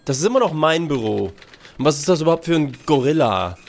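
A man's voice: on the high side, expressive, quick pace, darkish tone. A man playing an evasive, nervous art thief in a comedic audio drama, stammering excuses. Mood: flustered.

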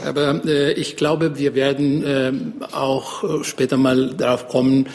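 A man's voice: mid-range voice, little pitch movement, a little mellow. A man, a foreign correspondent introducing himself on a panel, hesitating often with fillers. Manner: halting, many fillers.

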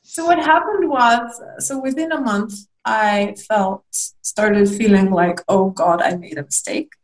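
A woman's voice: medium pitch, measured pace, low-quality recording. A young woman from Lithuania, a guest in a candid interview, talking reflectively with hesitant restarts and small laughs.

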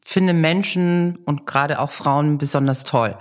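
A woman's voice: low voice, a little slow. A middle-aged woman talking candidly and reflectively as an interview guest, thinking aloud as she tells personal stories. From born in Liberia, raised in southern Germany from age seven. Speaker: interview guest, art director and stylist.

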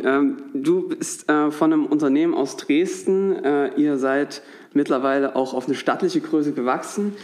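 A man hosting a business podcast, asking questions in a relaxed conversational way with occasional fillers. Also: medium pitch. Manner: friendly, steady questioning with fillers. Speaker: podcast host. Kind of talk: conversational interview.

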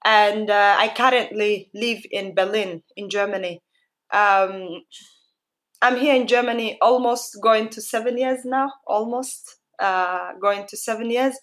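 A woman's voice: mid-range voice, steady tone, unhurried, fairly bright tone. A woman with an East African accent giving a personal talk in a heartfelt, emphatic manner, often repeating phrases for emphasis. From Somalia-born, raised in Kenya. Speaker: guest speaker.

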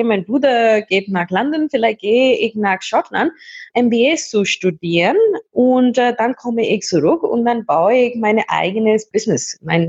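Woman from india, hindi native speaker, husky voice, slightly muffled recording, repeats words as she goes. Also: fairly high pitch. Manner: talks in restarts and repeated words. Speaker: interviewee. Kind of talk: casual interview talk.

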